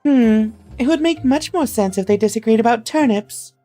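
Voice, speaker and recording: A woman voicing an excitable young maid who chatters eagerly about household gossip. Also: a little high, normal speed, soft background music, voice pushed up, lightly acted. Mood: gossipy.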